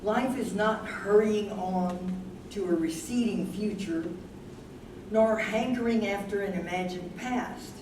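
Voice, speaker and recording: A woman's voice: mid-range voice, slow, lightly acted. A woman playing a thoughtful, anxious professor wife troubled by her memory in a staged play reading. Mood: tender, reflective. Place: live staged reading in a room. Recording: noisy, echoey room from a distance.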